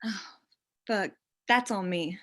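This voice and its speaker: A woman's voice: mid-range voice, slow pace, a bit bright. A woman playing a candid young townswoman from a mining town in a screenplay table read. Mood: dismayed.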